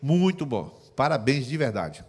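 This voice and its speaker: A man preaching a sermon as pastor, swinging between hushed, intimate passages and loud, impassioned ones. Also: mid-range voice, big pitch swings, a little slow. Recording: long hall reverb.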